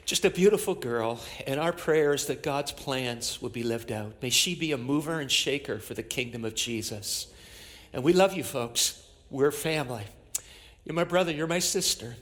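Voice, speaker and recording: A man's voice: mid-range voice, moderate pace, fairly bright tone. A man preaching and praying as a church pastor, in a declamatory, repetitive cadence punctuated with amens. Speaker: pastor leading a church service. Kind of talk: sermon and public prayer. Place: church platform, speaking to a congregation.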